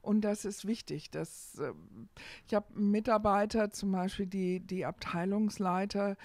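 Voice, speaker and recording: A woman's voice: medium pitch, steady tone, moderate pace, a little mellow, dry recording. A middle-aged woman, talking conversationally as an interview guest and searching for her phrasing as she goes. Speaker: hotel owner, interview guest.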